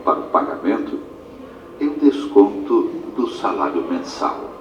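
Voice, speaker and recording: A man's voice: on the low side, sing-song, a little slow, slight background noise. A man voicing a stern farm owner. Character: stern male Brazilian farm owner, middle-aged. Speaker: museum exhibit character. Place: museum exhibit playback. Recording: echoey room, heard from far off.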